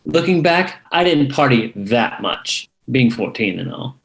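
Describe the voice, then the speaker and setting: A man's voice: mid-range voice, big pitch swings, measured pace, gravelly, fairly bright tone, full character voice, poor audio. Guy as sassy gay man around 31, chatty, voice goes up and down a lot. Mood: playful, sassy. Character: sassy, proud gay man aged thirty-one. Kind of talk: script table read.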